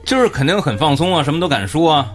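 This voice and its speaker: A man's voice: on the high side, very animated, quick pace. A man chatting casually and jokingly as a radio panellist. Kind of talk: casual chat. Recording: faint music behind the voice. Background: faint music.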